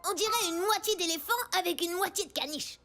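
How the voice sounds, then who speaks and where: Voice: extremely high pitch, quick pace, music in the background. An actor voicing a cheerful, chatty little boy playing games in a cartoon. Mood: amused. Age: child character. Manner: chatty, game-playing, childlike. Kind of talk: cartoon dub dialogue.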